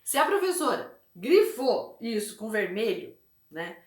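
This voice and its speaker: A woman's voice: fairly high pitch, very animated, measured pace. A woman, an educational psychologist, giving parents an informal, chatty talk and often checking in with the listener. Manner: chatty, punctuates with "né?". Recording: echoey room.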